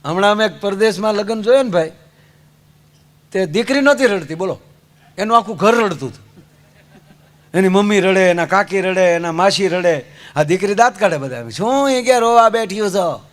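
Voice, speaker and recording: A man telling comic wedding stories on stage with a Saurashtra Gujarati accent, animated and acting out each character. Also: moderate pace, pauses often. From Saurashtra, India. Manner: animated storyteller, acts out characters with pitch swings. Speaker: folk comedian. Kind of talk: stage comedy storytelling.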